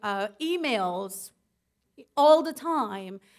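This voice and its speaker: With very wide pitch swings, a woman speaks with a strong non-native accent. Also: very clean recording, silent background. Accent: foreign accent, self-described as strong. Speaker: academic, commencement speaker. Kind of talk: commencement speech. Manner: formal.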